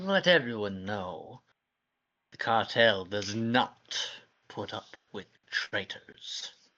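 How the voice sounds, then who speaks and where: In a put-on character voice, the speaker goes at a very slow pace, leaving long, frequent pauses. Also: man, medium pitch for a man. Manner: completely serious, cold, menacing.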